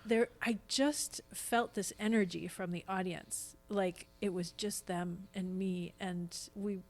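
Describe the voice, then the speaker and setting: An American woman talking casually as an interview guest, earnest and expressive. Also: medium pitch, slow pace. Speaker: podcast guest, stage actress.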